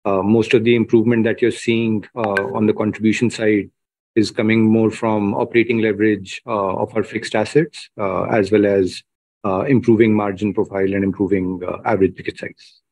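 A man speaking as a company executive, explaining results in a measured way on an earnings call. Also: lowish voice, level tone, a little mellow, no room sound, low-quality recording. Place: conference call.

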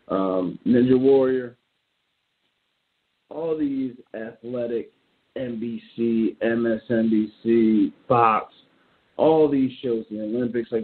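Slangy man ranting on a tinny line. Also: mid-range voice. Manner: loose, joking, slangy rant. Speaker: talk show host. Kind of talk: casual solo commentary. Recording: tinny phone-like audio.

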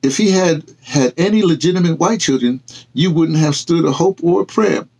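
A man reading aloud and voicing a stern, blunt man lecturing his friend, emphatic and halting. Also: mid-range voice, sing-song, vocal fry, darkish tone, husky, full character voice, low-quality recording.

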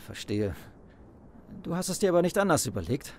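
An actor playing a joking fiancé who works as a lawyer, with a gravelly voice. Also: male voice, on the high side, very animated, darkish tone, a little hiss or hum. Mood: playful. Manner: joking, brisk.

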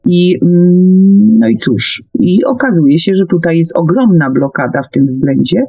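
Slow, halting woman radio host. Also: fairly low pitch, mellow, dry recording, muffled recording, soft background music. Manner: halting, hesitant, long pauses. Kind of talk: conversational radio discussion.

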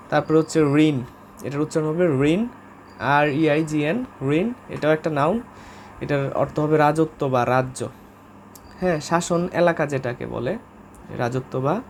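A man's voice: a little high, slight background noise. A man with a Bangladeshi accent teaching English vocabulary in a casual spoken lesson, repeating each word and spelling it out letter by letter. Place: room under a tin roof with rain. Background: faint rain and room ambience.

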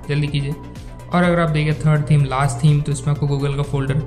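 A slightly hoarse young man giving a casual, rambling voice-over review of phone themes for his tech channel. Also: fairly high pitch, darkish tone. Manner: rambling, filler-heavy casual talk. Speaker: tech YouTuber.

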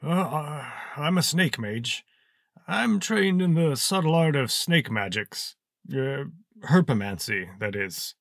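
A man's voice: fairly high pitch, lively intonation, takes it slowly, gravelly, fairly bright tone, no room sound, clean studio sound, pitched above the performer's own voice, full character voice. A man voicing a hesitant, stammering old wizard who works snake magic.

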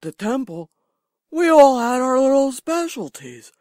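A woman's voice: sits high, sing-song, measured pace, dark tone, no echo, clean studio sound. A woman playing a sly, boastful woman with mystical gifts, wry and teasing.

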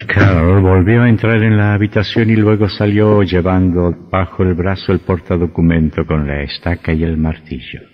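A man narrating a radio drama in a measured, suspenseful way. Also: low-pitched, steady tone. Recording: dull lo-fi audio with faint music.

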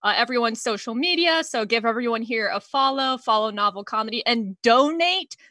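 A woman hosting a comedy show from home over a video call. Her voice is bright and slightly high, and the sound is dry and close. She talks in a giggly, self-deprecating way, with lots of "um"s. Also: expressive, a little fast, dry recording. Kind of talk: casual comedy show banter.

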